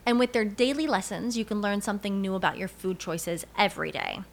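A woman's voice: mid-range voice, a little fast, slight background noise. A woman reading a scripted advertisement as a testimonial. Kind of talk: scripted ad read.

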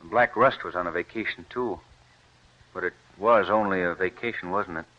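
A man's voice: low-pitched, normal speed, lightly acted. An actor playing an earnest, stubborn young man who gives up his university job to farm, in a 1940s radio play. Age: young adult. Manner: earnest and intense. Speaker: young scientist turned farmer. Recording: muffled old radio recording.

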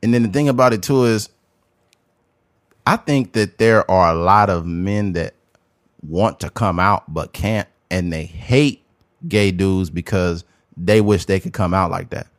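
Male podcast co-host, loose and rambling, somewhat low pitch, dry recording. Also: unhurried, no echo. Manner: loose, rambling talk with many "like" fillers. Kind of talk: casual podcast chat.

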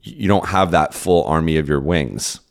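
A hoarse, worn-out man hosting a solo podcast, answering listener questions in a rambling, casual way with many restarts. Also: rumbling low, animated, normal speed. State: hoarse, lost his voice and tired. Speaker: podcast host and basketball beat writer.

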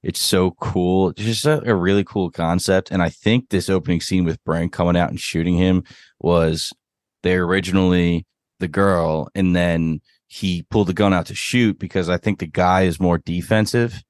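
Very deep-voiced laid-back young man. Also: steady tone, moderate pace, no echo, studio quality. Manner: laid-back, swears casually. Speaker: podcast co-host. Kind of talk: casual chat reviewing a TV show.

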